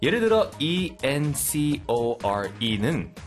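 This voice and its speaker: Animated male quiz host. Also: a little high, soft background music. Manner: animated, reacts with quick rising questions. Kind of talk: reading quiz questions on a game show.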